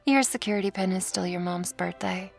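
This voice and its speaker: A woman's voice: mid-range voice, brisk, creaky, faint music behind, pitched above the performer's own voice. A woman voicing a cocky intruder who barges in and mocks the pair, talking in a flippant tone. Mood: mocking. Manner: mocking, flippant.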